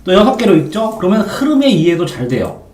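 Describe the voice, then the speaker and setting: Lively-pitched man teaching a reading method. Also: brisk, roomy sound, distant mic. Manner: asks questions and answers them himself; repetitive drilling.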